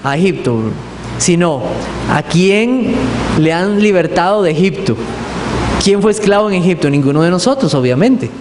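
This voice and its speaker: A male pastor teaching a sermon, posing questions to the congregation and answering them himself, reading scripture aloud with slow emphasis. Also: high voice. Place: church hall. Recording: echoey hall with background noise.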